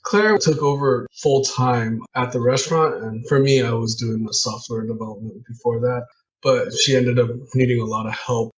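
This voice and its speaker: A man's voice: medium pitch, steady tone, normal speed, dull audio. A man from Southern California in his thirties, answering interview questions plainly as a business owner. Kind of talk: casual interview talk.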